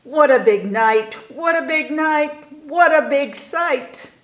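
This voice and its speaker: A woman voicing a boastful, excitable young boy showman in a storybook, with grandiose carnival-barker delivery. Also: high-pitched, takes it slowly, voice pushed up. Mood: grand, excited. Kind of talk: storybook read-aloud. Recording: echoey room.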